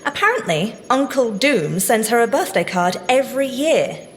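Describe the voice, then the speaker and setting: An actress playing a wry, good-humoured young scientist and secret agent, chatting in an audio drama. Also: female voice, a little high, sing-song, moderate pace, in a large hall, slight background noise. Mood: amused. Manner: dry teasing, polite, chatty. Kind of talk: audio drama field banter.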